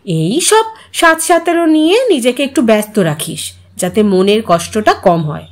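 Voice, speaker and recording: A woman's voice: on the high side, sing-song, unhurried. A woman voicing a reserved older grandmother in a storybook reading, with a wry, teasing manner. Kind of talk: storybook character dialogue.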